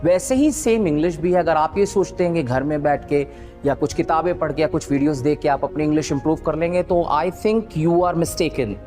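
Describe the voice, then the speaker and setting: A man's voice: on the high side, brisk, darkish tone, faint music behind. A man with an Indian accent teaching spoken English, switching between Hindi and English with frequent fillers and restarts.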